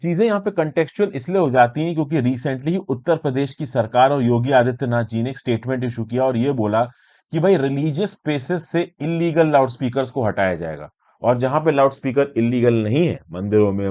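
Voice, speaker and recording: Here a man with a slightly mellow, medium-pitched voice and an Indian accent explains current affairs in a lecture aimed at exam students. He is an educator and presenter of such lessons, speaking in a chatty, teacherly way, using English terms and asking questions as he proceeds.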